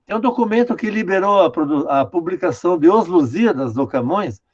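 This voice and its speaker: Older man, from Brazil, linguistics professor, fairly high voice, patient explaining, lo-fi call sound. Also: animated, fairly quick, darkish tone. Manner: patient, explanatory, many "né?" tags, directs the screen operator. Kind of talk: online lecture, commenting on a student text. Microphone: video call. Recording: dull lo-fi video call audio.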